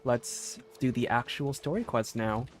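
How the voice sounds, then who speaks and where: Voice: mid-range voice, measured pace, soft background music. A game streamer giving casual live commentary while playing.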